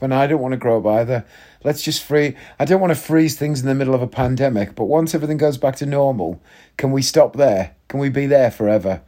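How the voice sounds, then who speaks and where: A man's voice: medium pitch, warm tone. A man hosting a podcast, talking in a chatty, blunt and jokey way, often rambling with restarts. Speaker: podcast host. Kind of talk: casual chat monologue.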